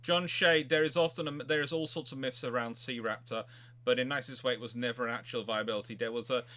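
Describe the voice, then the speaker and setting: A man hosting an informal expert chat, answering questions in a halting way with frequent restarts. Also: mid-range voice, sharp tone, slight background noise. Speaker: host of a naval history live chat.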